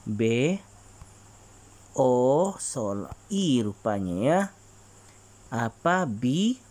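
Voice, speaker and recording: A male teacher, explaining a religion lesson to children and often clearing his throat. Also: medium pitch, sing-song, extremely slow, a little mellow. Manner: frequent throat clearing, coaxing repetitions.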